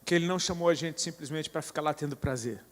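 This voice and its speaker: High-voiced preacher man in a reverberant hall. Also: fast talker. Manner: storytelling, building to fervent declarations. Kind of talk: sermon.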